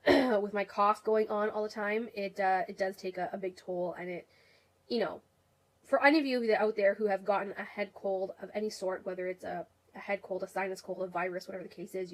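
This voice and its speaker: A woman's voice: medium pitch, brisk, low-quality recording. A young woman with a cold, sounding nasal and stuffed up, chatting casually to camera about makeup with lots of fillers. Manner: chatty, rambling, many fillers. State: sick, nasal and congested. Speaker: beauty vlogger.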